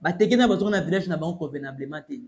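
Young Congolese male commentator, high voice, urgent and emphatic, seated in a small room facing the camera. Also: racing, darkish tone. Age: young adult. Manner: emphatic, urgent, gesturing while addressing the camera. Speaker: news commentator. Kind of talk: mixed French and Lingala commentary. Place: small plain room indoors.

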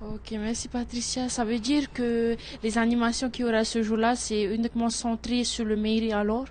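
A woman's voice: a little high, level tone, normal speed, a little mellow, slight background noise. A woman hosting a radio studio interview, asking follow-up questions. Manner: asks follow-up questions, short acknowledgements. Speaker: radio host.

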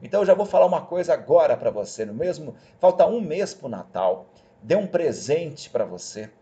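A man talking casually and persuasively to viewers over a screen recording, chatty and animated. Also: a little high, moderate pace, highs cut off. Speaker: job placement agency host.

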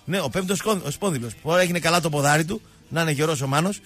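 A man's voice: on the high side, fairly bright tone, faint music behind. A male radio show host rambling through mocking, jokey sports banter.

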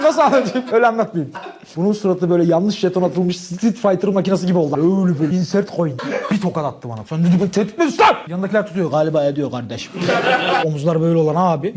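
Rapid, animated man telling a story. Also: high-pitched. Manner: rapid, animated, acts out voices and shouts. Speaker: stand-up comedian. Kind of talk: stand-up storytelling.

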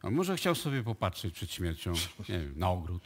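A man's voice: low voice, very animated, moderate pace, full character voice. An actor playing a blunt, casual policeman in a radio play, reporting in an offhand way. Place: music studio, played live before an audience.

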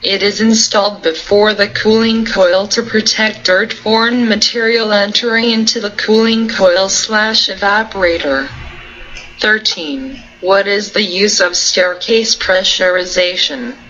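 A woman reading out a numbered list of technical interview questions and answers in a flat, even way. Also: mid-range voice, a little slow, highs cut off.

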